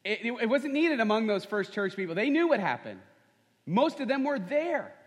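High-voiced pastor preaching in a reverberant hall. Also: male voice, very animated, moderate pace. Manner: conversational, asks rhetorical questions. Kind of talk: sermon.

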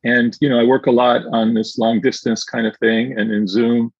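Husky middle-aged man on roomy call. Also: medium pitch, little pitch movement, normal speed. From Argentina. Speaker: podcast guest, inclusion consultant. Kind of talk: conversational interview answers. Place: indoors, remote video call. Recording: dull, roomy video-call audio.

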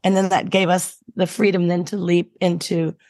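A middle-aged Australian woman, husky today, telling her story as a podcast guest in an upbeat way. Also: fairly low pitch, level tone, moderate pace, darkish tone. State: husky, not her normal voice. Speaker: guest, business founder. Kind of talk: casual interview chat.

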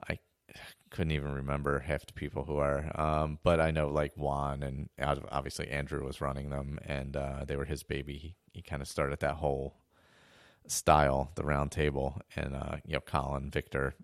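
A very deep-voiced man talks in a loose, rambling way, often restarting his sentences. His voice is hoarse, as he is losing it. The sound is dry and close, with no room echo. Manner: rambling, many restarts and fillers. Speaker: podcast host. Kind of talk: casual monologue.

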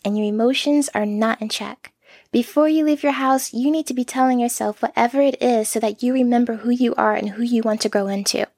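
A young woman hosting a solo podcast, talking in a soft, earnest, self-reflective way into a close mic. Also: a little high, vocal fry, no room sound. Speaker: podcast host.

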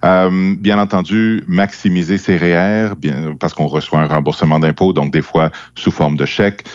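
A man with a Quebec French accent explaining things off the cuff as a podcast guest advisor, haltingly, repeating words. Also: sits low, darkish tone, no room sound. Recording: slightly dull, dry close recording.

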